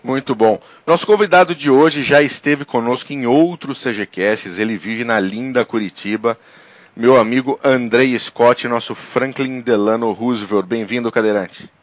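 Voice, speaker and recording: A man's voice: medium pitch, moderate pace, dry recording. Male podcast host, Brazilian, conversational presenter delivery, very dry and slightly muffled sound. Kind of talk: podcast introduction and casual talk.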